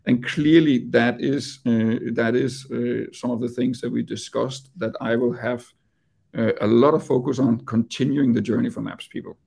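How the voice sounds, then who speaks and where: A man's voice: medium pitch, fairly even intonation, moderate pace, creaky, a little mellow. A man from Denmark with a Danish accent, presenting in an investor call over video, hesitant and repeating words. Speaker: company executive.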